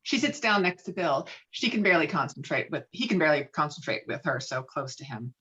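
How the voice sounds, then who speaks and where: A woman's voice: low voice, sing-song, brisk, fairly bright tone. A woman reading screenplay stage directions as narrator at an online table read. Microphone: video call. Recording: dull lo-fi online call audio.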